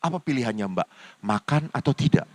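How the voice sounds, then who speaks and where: A man's voice: mid-range voice, animated, a little fast, noisy background. An older man, a Catholic priest, preaching a humorous sermon and acting out the dialogue in his stories. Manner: storytelling, mimics dialogue with voice changes. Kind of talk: humorous sermon with acted anecdotes. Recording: reverberant hall sound.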